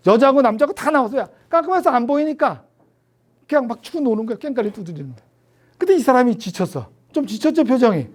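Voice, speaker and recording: An older man, a history professor, giving a public lecture in a lively storytelling way, often asking questions and then answering them himself. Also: high-pitched.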